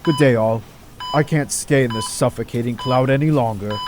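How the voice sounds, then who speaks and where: A man's voice: medium pitch, moderate pace, close to an everyday voice. A man voicing a weary, embittered middle-aged doctor in an audio drama, downcast and dramatic. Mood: defeated, bitter. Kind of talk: amateur audio drama acting.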